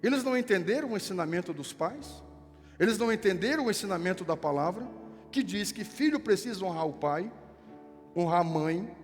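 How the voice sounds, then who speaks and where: Male pastor, southern Brazilian accent, high voice, conversational storytelling sermon, church hall reverb. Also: animated, a little fast, faint music behind. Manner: conversational storytelling, acts out dialogue. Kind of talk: sermon with anecdotes.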